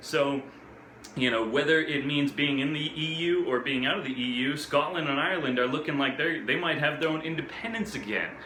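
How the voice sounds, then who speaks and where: A man's animated, fairly high voice at a fairly quick pace with ordinary pitch variation, audible room echo and noticeable background noise. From United States. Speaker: video blogger. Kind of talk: casual rant to camera.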